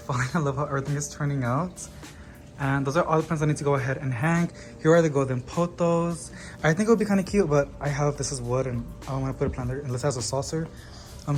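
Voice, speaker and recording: A young man with a fairly high voice chats casually like a bubbly sorority girl. He gushes to viewers in a loose vlog style. Music plays clearly behind him. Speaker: host of a plant haul vlog. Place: at home, indoors.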